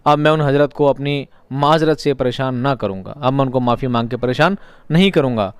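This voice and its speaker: A man's voice: medium pitch, brisk, smooth, no room sound, natural voice. A male teacher reading the lines of a timid, over-apologetic office clerk in a classroom story reading.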